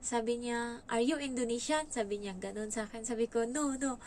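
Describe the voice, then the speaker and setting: Chatty Filipina telling a story. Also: female voice, on the high side, moderate pace, slight background noise. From Philippines. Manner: chatty, animated, quotes people in lively put-on voices. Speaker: vlogger, domestic helper. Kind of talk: casual storytelling vlog.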